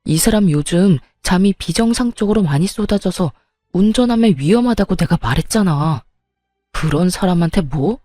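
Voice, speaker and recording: Woman voicing an angry young husband, exasperated, shouting, dark mellow tone. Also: mid-range voice, expressive, normal speed, dry recording, faint music behind, natural voice.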